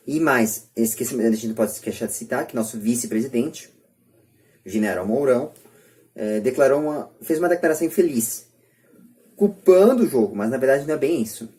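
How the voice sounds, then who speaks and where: A podcast host with a São Paulo Brazilian accent delivers an opinion monologue in a debate setting, emphatic and rhetorical, repeating phrases as he goes. His voice is mellow and mid-range.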